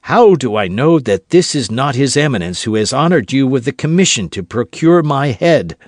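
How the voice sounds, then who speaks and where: A man voicing a suave, cool-headed young musketeer with a churchman's calm, talking low and measured with a dry, mocking edge. His phrasing still rises and falls widely, read on a dry, close mic. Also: no echo. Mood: wry, composed. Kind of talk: audiobook character voice.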